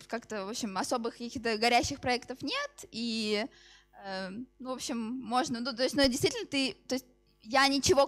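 A young woman with a fairly high voice answers questions after a presentation. She speaks informally and haltingly, starting sentences over as she explains. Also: a bit bright. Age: 20s. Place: open event hall with seated audience.

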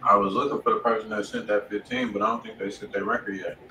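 A man's voice: lowish voice, steady tone, fast, pushed and bright. A man co-hosting a music livestream in casual, slangy talk, blunt and profane. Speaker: co-host of a music review livestream. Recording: distant mic, echoey room, noisy background.

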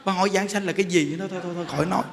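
A man's voice: high-pitched, fairly even intonation, racing, vocal fry. A man, a Buddhist monk, giving a casual, anecdote-filled Dharma talk, often laughing and turning to his listeners. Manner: chatty, laughing often, turning to the audience with "quý vị". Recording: long hall reverb with faint noise.

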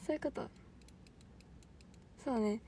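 A woman's voice: unhurried, warm tone, no room sound. A young woman with a Kansai accent, chatting on a livestream as an idol trainee, rambling and laughing often while thanking viewers. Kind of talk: casual livestream chat.

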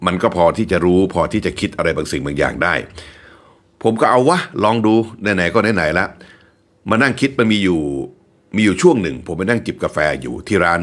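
A deep-voiced man in his fifties, from Thailand, talks straight to his viewers as the host of his own channel. He tells his story in a chatty, self-deprecating way, with a voice that rises and falls a lot and frequent laughs. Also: lively intonation, brisk, a bit bright.

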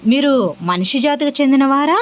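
A woman's voice: sits high, expressive, brisk, highs cut off. A woman doing a playful, mock-innocent wife. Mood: innocently teasing.

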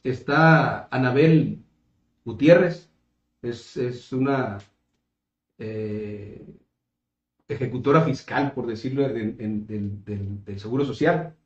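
Slow and prone to frequent pauses, a mid-range male voice belongs to a political candidate in his fifties from coastal Caborca, Sonora, Mexico, with a northern Mexican accent. Sitting at a table in a small indoor room, he answers interview questions in a conversational way, often hesitating and repeating words as he hunts for the next. There's a roomy echo and a slightly dull quality to the recording.

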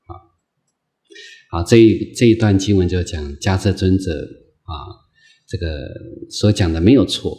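A man lecturing as a Buddhist monk, his voice low and warm, never sharp. He circles back over the same phrases and moves through the talk patiently, filling gaps with soft drawn-out sounds. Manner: gentle, repetitive phrasing with many drawn-out "ah" fillers; slow, patient, coaxing delivery. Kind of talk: unscripted dharma lecture.

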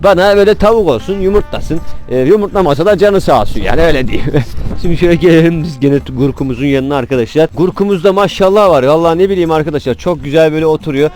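Quick-talking guy with a turkish accent showing his coop on a phone, faint music behind. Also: a little high, a little mellow. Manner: chatty, talks affectionately to his birds. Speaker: poultry vlogger. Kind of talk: casual chat to viewers while tending chickens. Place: backyard chicken coop, in and out of doors.

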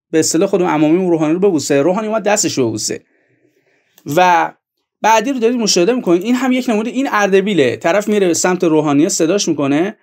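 A man's voice: high voice, a little mellow. A man giving online video commentary, speaking earnestly and directly to his viewers.

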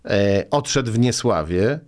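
A man's voice: lowish voice, expressive, a little slow, darkish tone. A man in his forties, a guest in a political interview in a small studio, speaking with many hesitations and sarcastic remarks. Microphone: boom mic on desk arm.

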